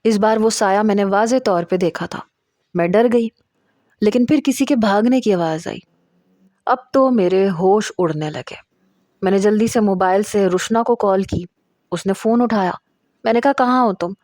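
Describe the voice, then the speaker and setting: Woman telling a spooky story as herself, mid pitch, dry close sound. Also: mellow, no room sound. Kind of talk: first-person story narration.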